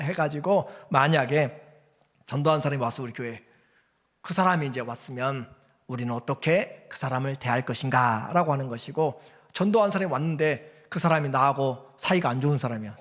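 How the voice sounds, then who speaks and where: A man's voice: a little high, long reverb tail. A male pastor giving a sermon in a conversational way, asking the congregation rhetorical questions. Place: church sanctuary.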